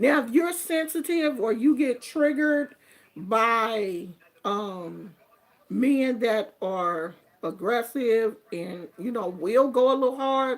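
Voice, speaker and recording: This is a woman with a high-pitched voice. Her pace is very slow. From California. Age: 50s. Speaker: YouTuber. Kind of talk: casual chat. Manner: animated.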